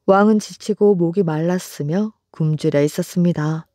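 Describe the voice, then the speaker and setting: A storyteller narrating a folktale for a bedtime audiobook, in a slow, soothing, even reading. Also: mid-range voice, dry recording, studio quality. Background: soft background music.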